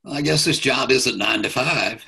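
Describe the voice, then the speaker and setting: A man's voice: mid-range voice, normal speed, vocal fry, bright, forceful tone. An actor in his eighties playing a blunt elderly father who gives curt, dry put-downs over a video call. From New York.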